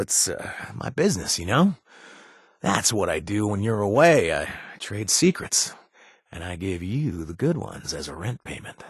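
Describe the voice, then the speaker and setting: A husky, joking ex-raider game companion, low voice, very expressive, dry booth sound. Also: male voice, no room sound. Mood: wry. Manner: joking, warm and protective. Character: wry ex-raider man, friendly informant. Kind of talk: video game voice lines.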